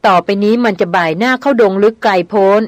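Woman voicing a slow, solemn jungle wanderer. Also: mid-range voice, dry recording, close to an everyday voice. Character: mysterious young male jungle wanderer, calm, solemn.

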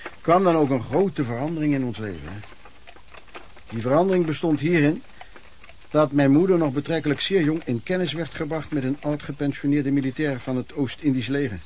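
An actor playing an older, plain-spoken former street vendor and vagrant who reminisces in a radio play, wordy and folksy with quaint old-fashioned phrasing. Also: male voice, a little high, fairly quick, a little mellow, slight background noise, natural voice. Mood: wry. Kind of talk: radio play monologue in interview form.

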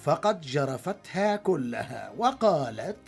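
A woman narrating a storybook drama with an expressive, measured delivery. Her voice is fairly low for a woman but ranges widely in pitch, over soft background music. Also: gravelly, breathy edge.

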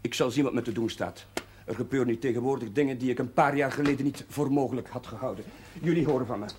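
An actor playing an earnest, moralising Catholic chaplain in a Dutch television drama, speaking formally with some hesitation. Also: male voice, medium pitch, fast, background noise, natural voice. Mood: stern, admonishing.

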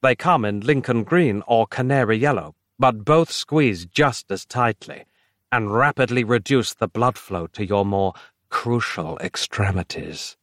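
A man voicing a gloating villainous mastermind, with a theatrical, drawn-out menacing delivery. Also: fairly low pitch, dry recording, studio quality, close to an everyday voice. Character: gloating villainous male bone-obsessed mastermind.

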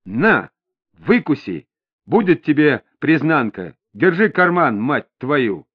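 A man's voice: a little high, huge pitch swings, a little slow, heavily acted. A hostile young tough mouths off in crude street slang, as a male narrator puts him on. His voice leaps up and down as he snarls. The audiobook sounds dull and lo-fi. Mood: angry, defiant. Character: hostile young male petty thug under interrogation. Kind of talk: audiobook character voice.

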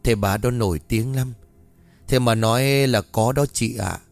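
A man's voice: medium pitch, moderate pace, gravelly, no echo, soft background music, lightly acted. A man doing a reassuring village woman friend. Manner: reassuring, hesitant. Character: helpful village woman friend, hushed and calming.

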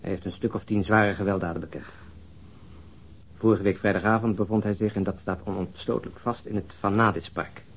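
An actor in a radio drama playing a reserved, awkwardly polite police detective, formal, terse and hesitant. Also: male voice, fairly low pitch, fairly even intonation, brisk, a little hiss or hum, close to an everyday voice. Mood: formal, probing. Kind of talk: radio drama acting, naturalistic dialogue.

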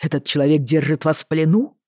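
The reader voicing a polite young man who speaks calmly and stays steady. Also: medium pitch, brisk, no room sound, studio quality, lightly acted. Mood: sharp.

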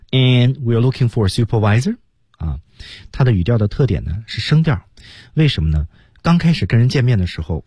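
A man teaching an English lesson on the radio, explaining and demonstrating intonation in a lively way. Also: deep voice, breathy edge, dry recording, clean studio sound. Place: radio studio.

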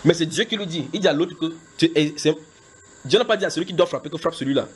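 A man preaching a sermon who retells scripture as a film, with lively, joking storytelling. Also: fairly high pitch, fast, slightly rough. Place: church.

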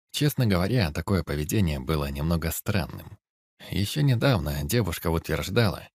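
Deep-voiced man reading a novel. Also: no echo, studio quality. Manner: steady, even storytelling. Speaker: audiobook narrator. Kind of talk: first-person novel narration.

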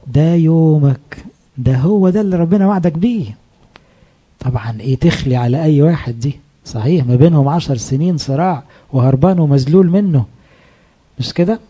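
A man preaching in an Egyptian accent, his voice very dark and a little husky. He talks in a lively, colloquial way, often asking his listeners questions and acting out the voices he quotes. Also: fairly high pitch. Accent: Egyptian Arabic. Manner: animated, asks the audience questions, acts out quoted voices. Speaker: priest. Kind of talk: colloquial sermon.

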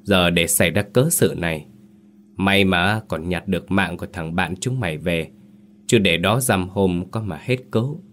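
A man's voice: sits low, moderate pace, fairly bright tone. A man playing a grim older villager.

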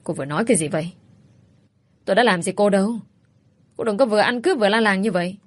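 A woman's voice: fairly low pitch, moderate pace, natural voice. A woman voicing an indignant young single mother who speaks firmly. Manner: firm, indignant.

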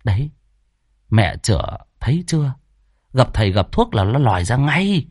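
A man's voice: medium pitch, big pitch swings, normal speed, darkish tone, dry recording, clean studio sound. A man voicing a frightened homeowner in his thirties who whines and pleads. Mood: whiny. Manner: whining, pleading.

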